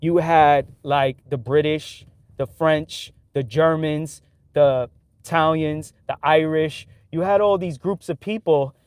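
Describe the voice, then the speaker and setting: A born-and-raised New Yorker speaks off the cuff in a livestream, slangy and full of filler. His voice sits a little on the high side. The sound is dry, with almost no room echo. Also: steady tone, slow, darkish tone, clean tone. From New York City. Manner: loose street talk full of "like", "yo" and "right?". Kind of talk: casual opinionated monologue.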